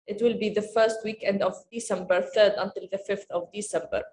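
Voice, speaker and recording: A woman, answering as a panelist in an earnest, measured way with frequent pauses and fillers. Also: medium pitch, steady tone, darkish tone. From Jordan. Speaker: panelist, media organization director. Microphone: video call. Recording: echoey room over a video call.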